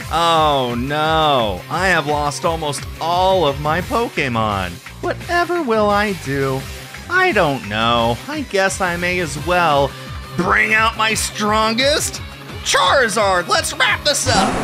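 Someone uses a put-on character voice at a middle pitch and a fairly slow pace. Loud music plays in the background. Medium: dub. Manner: boastful, taunting.

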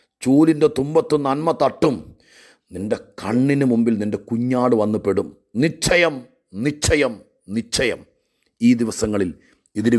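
A man's normal speaking voice, medium in pitch, with ordinary pitch variation. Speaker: pastor. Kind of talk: sermon. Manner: measured, with pauses.

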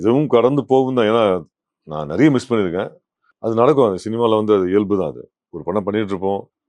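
A man talks in an ordinary speaking voice at a fairly low pitch. His intonation is lively, and his loudness swings widely. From Tamil Nadu–Andhra border (Gummidipoondi area). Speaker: film actor. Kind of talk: interview.

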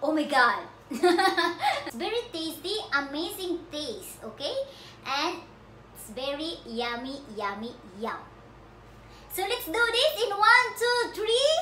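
A woman uses a raised, projected voice at a very slow pace, with long, frequent pauses and big swings in loudness. Audible room echo and light background noise surround her. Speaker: cooking vlogger. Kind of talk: casual vlog chat. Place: kitchen.

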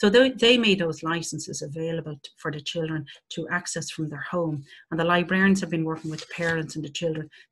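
A woman talks at a fairly quick pace in a fairly low pitch. Her voice is somewhat breathy. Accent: Irish. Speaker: librarian. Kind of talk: online seminar talk. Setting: online seminar. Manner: fast.

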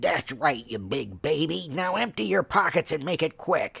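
A man uses a raspy, put-on character voice pitched fairly high. His pace is moderate. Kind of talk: playful toy role-play. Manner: menacing, bullying.

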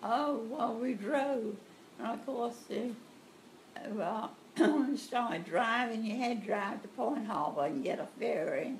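Over noticeable background noise, a woman with a coastal North Carolina accent speaks at a fairly slow pace with ordinary pitch variation. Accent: coastal North Carolina Southern. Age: 80s+. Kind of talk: oral history interview answer.

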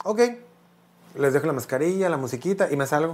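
Very fast speech from a man with a high pitch. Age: 30s. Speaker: hair stylist; podcast guest. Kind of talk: casual chat. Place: studio. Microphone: lapel.

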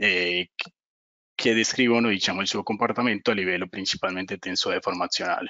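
A man talks at a fairly low pitch. He leaves long, frequent pauses. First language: Spanish (speaking Italian). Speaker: geotechnical engineer. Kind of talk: webinar presentation. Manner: hesitant, many fillers.

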